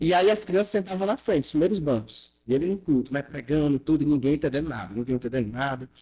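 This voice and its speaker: In a Cearense accent, a man with a dark, mellow tone speaks at a fairly high pitch. He goes at a very fast pace with hardly any pauses and lively intonation. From Brazil, Fortaleza, Ceará. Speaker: pastor. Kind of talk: sermon.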